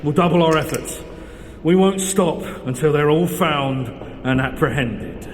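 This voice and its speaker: A man playing a dutiful mercenary captain in an audio drama, speaking in brisk military fashion. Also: fairly high pitch, natural voice. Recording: reverberant, faintly noisy.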